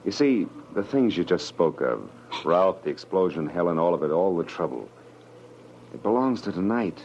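A man's voice: low voice, big pitch swings, moderate pace, a little mellow, dull audio. An American man acting in an old radio drama as a tough, wry private detective, terse and slangy. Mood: reassuring, tender. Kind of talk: 1940s radio drama acting, first-person narration. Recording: noisy, band-limited old radio recording.

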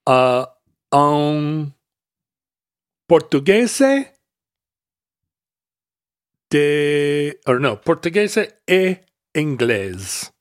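A man co-hosting a podcast in casual conversation, talking haltingly with many restarts and fillers. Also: a little high, sing-song, clean tone, no room sound, clean studio sound. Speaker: podcast co-host.

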